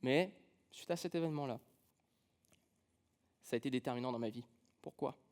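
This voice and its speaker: A man with an accent from France gives a relaxed, funny sermon in a church sanctuary, sharing personal stories with many fillers. He speaks in a mid-range, slightly mellow voice at a moderate pace.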